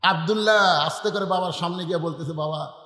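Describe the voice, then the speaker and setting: A man, preaching a waz sermon as a dramatic storyteller who swings between loud and soft. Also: high-pitched, expressive, moderate pace. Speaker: Islamic preacher. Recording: echoey hall with long reverb.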